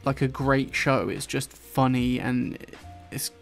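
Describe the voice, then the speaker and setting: A man with an English accent softened by London, chatting casually and rambling while he draws, swearing now and then and dropping his t's. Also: mid-range voice, slow pace, creaky, soft background music. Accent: English, London-influenced. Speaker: YouTuber drawing on stream. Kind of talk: casual chat while drawing.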